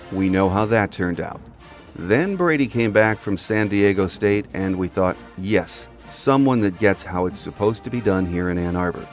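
A middle-aged man hosting a sports podcast, reading an earnest, fan-like opinion piece in a scripted monologue. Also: lowish voice. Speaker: podcast host.

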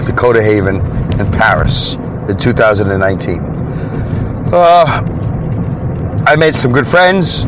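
A man with a Brooklyn accent talks casually as a podcast host, at a middle pitch. He rambles, doubles back and repeats himself, with clear noise like outdoor traffic or a vehicle behind him. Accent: Brooklyn, New York. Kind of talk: casual solo podcast monologue.

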